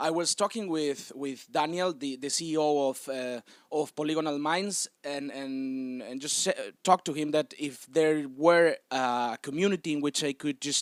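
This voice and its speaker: At a moderate pace and with fairly even intonation, a speaker with a non-native accent sounds dry and close, with no echo, on a very clean recording with a silent background. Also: man, fairly high pitch for a man. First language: not English. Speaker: co-founder of publishing venture. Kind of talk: live audio panel presentation. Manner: halting, many fillers.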